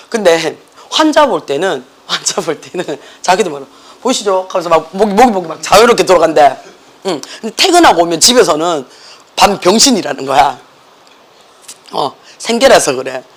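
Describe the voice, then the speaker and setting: A middle-aged academy teacher with a Gyeongsang accent lectures a class in a worn, hoarse voice. The delivery is lively and joking, and English words keep slipping into the Korean. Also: medium pitch, a little fast.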